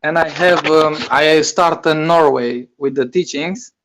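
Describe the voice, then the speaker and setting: A man from Romania calls in with a somewhat high voice. He speaks haltingly and leans on fillers as he hunts for words. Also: fairly bright tone, a little hiss or hum, low-quality recording. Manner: hesitant, fills pauses with uh. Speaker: caller. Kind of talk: casual call-in talk.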